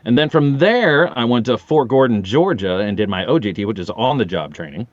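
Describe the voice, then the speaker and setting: Speaking a little fast at medium pitch, a man in his forties guests on a podcast, telling anecdotes with the dialogue acted out, as suits an audio drama voice actor. It's a casual, animated chat with lo-fi sound and no room sound.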